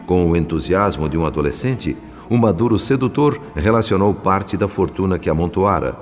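Male narrator for radio soap, low voice, literary and measured, long reverb, soft music bed. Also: expressive. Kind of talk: scripted radio drama narration. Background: faint music.

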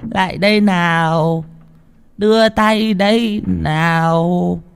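A man voicing a possessed young woman in a ghost story, luring softly and slowly. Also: very high-pitched, vocal fry, pitched above the performer's own voice, full character voice. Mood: eerie luring. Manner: soft, drawn-out luring.

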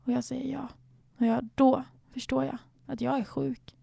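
A woman's voice: high voice, level tone, vocal fry, dark tone, no echo, clean studio sound. A young woman from Sweden, candidly telling her own story in a reflective way, sometimes dropping to near a whisper. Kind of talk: personal storytelling.

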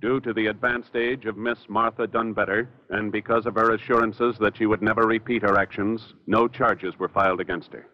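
A man's voice: on the low side, fairly even intonation. Formal male radio announcer over brass music. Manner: formal, measured. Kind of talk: 1950s formal scripted announcing. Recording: muffled vintage radio recording, loud brass music. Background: orchestral brass music.

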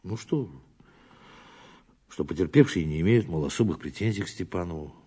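An actor playing a weary police boss under pressure in an audio drama, official and grumbling in manner. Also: male voice, sits low, lively intonation, moderate pace, mellow, husky. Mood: weary, needling. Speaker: police chief. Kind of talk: Russian audio drama acting.

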